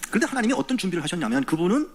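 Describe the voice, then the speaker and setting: A man's voice: sits high, sing-song, very fast, slightly rough. A man preaching as a guest pastor in a church, blunt and teasing with his listeners, acting out quoted dialogue. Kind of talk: sermon. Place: church sanctuary.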